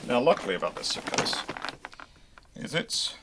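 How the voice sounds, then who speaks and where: A man's voice: mid-range voice, sing-song, moderate pace, heavy background noise. A man hosting a casual live history question-and-answer talk, thinking aloud in a conversational way and posing questions to himself. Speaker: host, naval historian.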